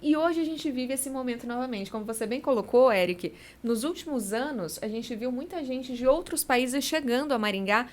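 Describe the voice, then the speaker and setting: A woman's voice: fairly high pitch, moderate pace, hardly any pauses, a little mellow. A woman hosting an interview podcast, affirming and conversational as she sums up and hands over to guests. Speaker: podcast host.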